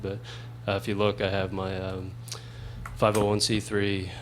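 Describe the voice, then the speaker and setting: A man mumbles at a moderate pace with a fairly low pitch and fairly even intonation. Audible room echo surrounds his voice. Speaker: veterinarian, applicant at public hearing. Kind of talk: testimony at county board hearing. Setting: public meeting at podium. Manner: mumbling, halting.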